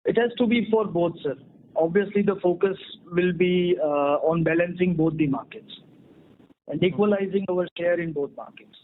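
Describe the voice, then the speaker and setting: A man with an Indian accent answering analysts as a company executive on an earnings call, in formal, measured explanations. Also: high voice, slight background noise. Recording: tinny phone-line conference call.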